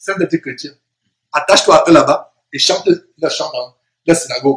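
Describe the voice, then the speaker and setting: The man's loudness rises and falls in big swings. He keeps a moderate pace. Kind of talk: religious exhortation in conversation. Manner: animated.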